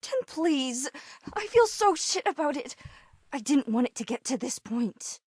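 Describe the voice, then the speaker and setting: A young woman voicing a young female coworker in a video game, breathy and volatile, swinging from soft murmurs to yelling. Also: sits high, very animated, measured pace, no echo, studio quality. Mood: pleading. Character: young woman coworker, teasing then pleading. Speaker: game character.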